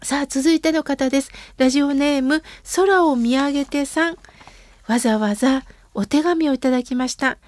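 A woman, a radio host and temple priest, reading listener letters aloud in a gentle, unhurried way and answering them. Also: sits high, dry recording.

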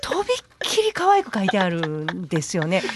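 A woman, co-hosting a radio talk show and gushing excitedly. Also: fairly low pitch, brisk, a loud crowd. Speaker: radio co-host.

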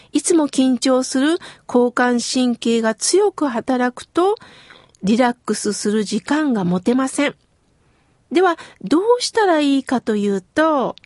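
Slow, high-voiced gentle woman. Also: dry recording, clean studio sound. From Kitakyushu, Japan. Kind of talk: scripted talk.

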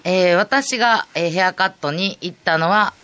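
A woman's voice: lowish voice, moderate pace, sharp tone, clean tone. A woman with a Kansai accent co-hosting a podcast in casual chat, playful and teasing. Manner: playful, teasing, laughs often. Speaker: podcast co-host.

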